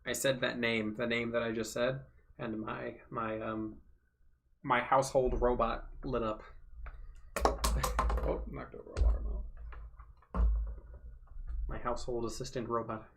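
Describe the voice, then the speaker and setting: A man on a casual home livestream, answering viewers' questions in a loose, rambling way full of ums and likes. His tone is bright and forward, sitting in a middle pitch for a man. After hours of talk his voice is wearing hoarse. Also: level tone, measured pace, pauses often, a little hiss or hum. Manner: rambling, filler-heavy, thinks aloud. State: voice going hoarse from long talking. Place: home room.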